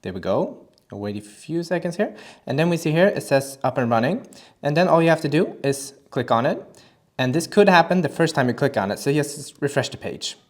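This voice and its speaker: A man presenting a casual screen-recorded software tutorial, talking in a relaxed way with frequent fillers and restarts. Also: a little high, a little fast.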